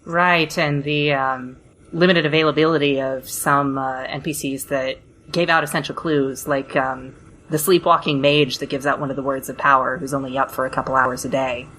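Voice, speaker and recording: A woman with a very low, bright voice talks as a podcast panelist. She is thoughtful and halting, and the recording has a slight noise behind it. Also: fairly even intonation. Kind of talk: casual discussion. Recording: slightly noisy hobby podcast.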